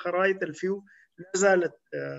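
A man with a high pitch and a Sudanese accent. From Sudan, Omdurman. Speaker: professor and physician, poet. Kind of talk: casual interview talk. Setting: video call webinar.

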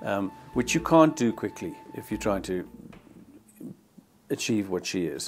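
Over music in the background, a man with a fairly low pitch and lively intonation speaks with long, frequent pauses. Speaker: gallery owner. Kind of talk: interview answer. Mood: admiring, thoughtful. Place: home room.

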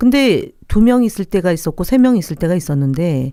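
A woman's fairly low, dark, mellow voice with very wide pitch swings at a moderate pace, on a very clean recording with a silent background. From South Korea, Gangneung. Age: 50s. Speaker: politician. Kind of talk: radio interview. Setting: studio.

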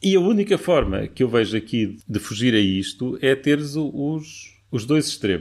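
A man speaks at a fairly slow pace with very wide pitch swings over a quiet background. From Portugal, Coimbra; Portugal. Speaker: economics professor. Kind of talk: casual interview. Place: studio. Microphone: studio mic.

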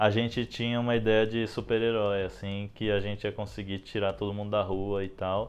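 A man talking at a fairly slow pace. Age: 20s. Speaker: social project storyteller working with homeless people. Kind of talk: personal testimony interview. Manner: casual, with many fillers. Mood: calm, reflective. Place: home room. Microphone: lapel.

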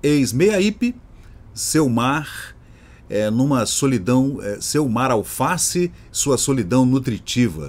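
Here a man talks at a medium pitch. His pitch swings very widely. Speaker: local history channel host. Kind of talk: casual commentary with reading of an old magazine article. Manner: chatty, informal, with many fillers. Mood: enthusiastic, admiring. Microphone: webcam.

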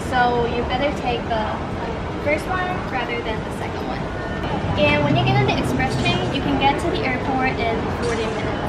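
A woman speaks at a fairly quick pace. Loud background noise is present. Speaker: travel guide host. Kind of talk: casual vlog tutorial. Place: station. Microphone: camera far.

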